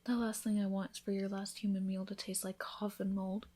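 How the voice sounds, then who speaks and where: Woman acting as a soft breathy vampire wife, sweet n teasing, protective, intimate asmr roleplay. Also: medium pitch, little pitch movement, fairly quick, lightly acted. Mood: playful, proud. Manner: soft-spoken, playful, tender, breathy whispers. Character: affectionate, teasing newlywed female vampire, protective and worried.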